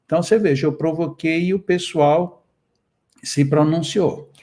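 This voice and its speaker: A Brazilian man with a somewhat high voice reads out viewer comments during a live chat. He is lively and teasing in a casual way. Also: moderate pace. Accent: Brazilian Portuguese. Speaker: co-host reading viewer comments.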